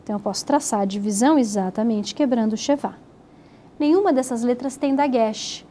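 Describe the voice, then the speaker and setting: Woman teacher walking through hebrew syllables, a bit high, mellow tone, faint hiss behind. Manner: patient, explanatory, spells out syllables slowly. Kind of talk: recorded grammar lesson.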